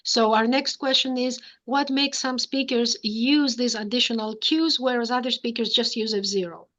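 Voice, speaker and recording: A woman's voice: on the high side, steady tone, moderate pace, fairly bright tone. A middle-aged woman professor from Greece answers audience questions in an academic lecture, explaining carefully and thinking aloud over a video call.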